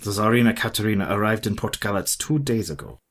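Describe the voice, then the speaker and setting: An actor playing a learned elderly professor who hunts a vampire, speaking in a formal, lecturing, old-fashioned way in a radio play. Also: male voice, on the low side, fast, background noise, natural voice. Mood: grave, lecturing. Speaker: mentor leading the hunters. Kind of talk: community radio play acting.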